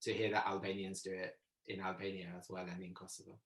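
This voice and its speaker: A man's voice: deep voice, level tone, fast, fairly bright tone. A young man, talking earnestly on a video call. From Italy, Arbëresh community. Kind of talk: casual video call discussion. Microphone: laptop mic on video call. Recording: echoey room on video call.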